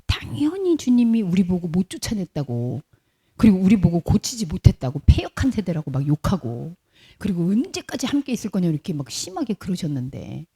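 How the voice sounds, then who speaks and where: A woman's voice: fairly low pitch, wildly swooping pitch, fairly quick, warm tone, breathy edge, heavily acted. A woman pastor voicing sulking male disciples who complain and question their teacher. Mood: aggrieved. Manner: aggrieved, complaining.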